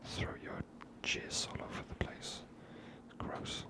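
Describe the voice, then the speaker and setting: A woman speaks entirely in a soft, breathy whisper. She comments on a video game in a casual, musing manner, as the host of an ASMR series. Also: slow.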